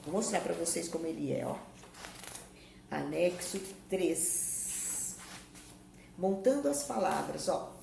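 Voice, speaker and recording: A woman's voice: lowish voice, big pitch swings, brisk, creaky, warm tone. A woman teacher patiently explaining a schoolbook exercise step by step for pupils learning at home. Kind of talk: remote classroom lesson. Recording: echoey room with faint noise.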